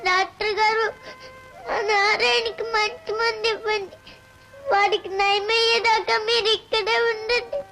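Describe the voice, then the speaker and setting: A man's voice: very high-pitched, level tone, measured pace, music in the background, poor audio. A sobbing orphan boy. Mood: tearful. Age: child. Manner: sobbing, pleading. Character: orphan boy grieving his friend, tearful.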